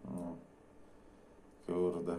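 Male CB operator, mellow and dark-toned, slightly noisy recording, casual blunt ribbing. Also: sits low, monotone, extremely slow. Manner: teasing, blunt, colloquial. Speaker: CB radio operator. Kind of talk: casual radio banter.

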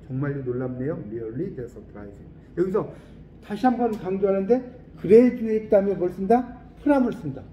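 A man teaching an English class, quizzing his students and reading English phrases slowly and deliberately. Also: high-pitched, roomy sound, highs cut off, a little hiss or hum. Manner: lively, quizzing students with questions.

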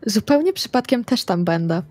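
A woman's voice: mid-range voice, big pitch swings, normal speed, mellow. A woman playing a tabletop roleplaying game, chatting casually in and out of character.

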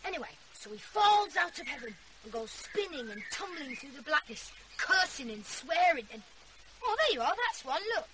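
A woman's voice: sits high, sing-song, moderate pace. An actress playing a rebellious, outspoken fifteen-year-old country girl with a defiant, impetuous manner in a radio drama. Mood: eager, chatty. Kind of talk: naturalistic radio drama acting. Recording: radio drama with faint background noise.

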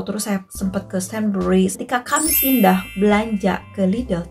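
A woman in her thirties with an Indonesian accent, chatting casually to camera in her living room and speaking directly to her viewers. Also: medium pitch. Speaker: vlogger. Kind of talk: casual vlog talk to camera. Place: living room at home, indoors.

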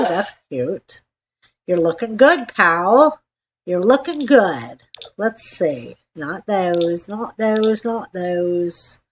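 Slow-paced woman gamer, slightly stuffed-up. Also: mid-range voice, a little hiss or hum. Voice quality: stuffed-up, congested nasal sound. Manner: playful, chatty self-talk with repeated phrases. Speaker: gaming video host. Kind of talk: casual rambling gameplay commentary. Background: voice-over for a screen-recorded game.

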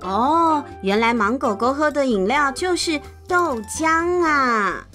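A woman's voice: high voice, lively intonation, takes it slowly. A woman telling a picture-book story as if reading to a toddler, exclaiming and asking little questions. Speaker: host, storyteller. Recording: music behind the voice. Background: soft music.

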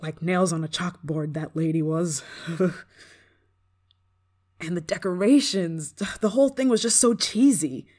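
Casting: actress as proud young female singer for ASMR roleplay, slightly low voice, dismissive, flusters easily, secretly soft. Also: unhurried, pauses often. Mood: amused, teasing. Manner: tsundere: bragging and dismissive, flustered stammering when touched. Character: haughty young female pop star, prickly but secretly soft. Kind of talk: ASMR roleplay acting, one-sided dialogue.

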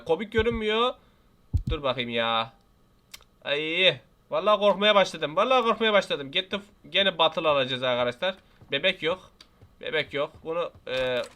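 Excitable bright-voiced young Turkish man. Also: a little high. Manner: excitable, jokey, talks to the game baby and threatens it playfully. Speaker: gaming YouTuber. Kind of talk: let's play commentary.

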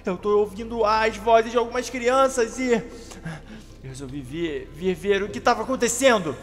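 A man with a Brazilian accent doing a dramatized game role-play, excitable and theatrical, often repeating his phrases. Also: high-pitched, moderate pace, soft background music. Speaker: gaming video creator playing a scared explorer.

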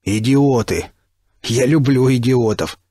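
Man doing a slow, sneering stalker. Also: mid-range voice, warm tone, dry recording, clean studio sound. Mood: scornful. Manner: slow, drawn-out, contemptuous. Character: scornful, menacing adult male stalker.

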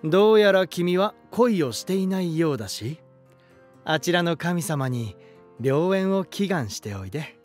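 An actor playing an elegant, romantic lighthouse spirit in a voice drama, gentle and warm, with poetic, softly teasing delivery. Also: male voice, fairly high pitch, sing-song, a little slow. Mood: kindly teasing. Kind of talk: Japanese voice drama monologue and dialogue. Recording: music behind. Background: music.

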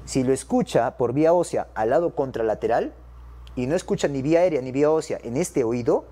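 A man's voice: mid-range voice, lively intonation, brisk, mellow. A man giving an exam-prep medical lecture to doctors. He keeps checking in with his listeners and addresses them as doctors.

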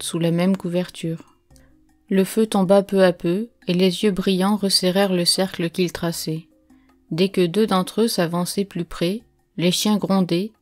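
A woman reading an adventure novel aloud as an audiobook narrator, in a measured, steady way. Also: lowish voice. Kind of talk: scripted narration.

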